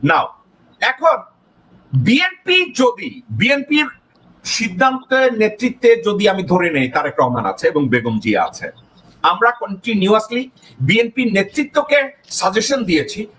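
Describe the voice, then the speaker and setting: A man's voice: sits high, sing-song, unhurried, fairly bright tone, husky, low-quality recording. A man hosting a talk show, probing his guest with pointed questions and slipping in English phrases.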